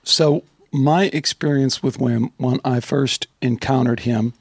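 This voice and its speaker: A man hosting a podcast in a relaxed, conversational, somewhat halting way. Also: medium pitch, breathy edge, no echo. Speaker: podcast host. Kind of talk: casual interview.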